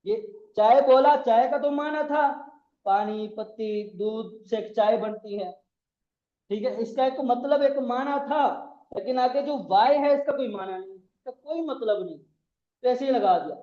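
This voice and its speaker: A man's voice: very high-pitched, unhurried. A man with a Pakistani Urdu accent giving a classroom grammar lecture, repeating terms and spelling them out letter by letter. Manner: repetitive, spells out words letter by letter. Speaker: Arabic grammar teacher. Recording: echoey room, dull lo-fi sound.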